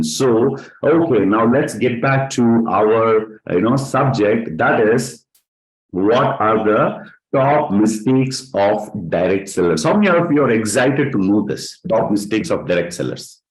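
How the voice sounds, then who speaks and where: A man's voice: mid-range voice, a little mellow, poor audio. A man with a South Indian accent giving a motivational training talk as a direct-selling leader, putting questions to his listeners and repeating words for emphasis. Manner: rhetorical questions to listeners, emphatic word repetition.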